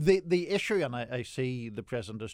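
This man has an American accent and a medium pitch, with lively intonation at a moderate pace. The recording is very clean, with a silent background. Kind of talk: interview discussion.

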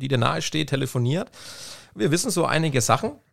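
A man talks at a very fast pace in a medium-pitched voice. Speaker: podcast host. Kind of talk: casual interview.

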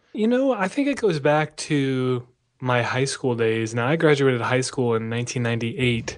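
With a Midwestern accent, a man at medium pitch talks at a moderate pace with ordinary pitch variation and very even loudness. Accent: General American (Midwest). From Iowa, US Midwest. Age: 30s. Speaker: social media consultant. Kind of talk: interview.

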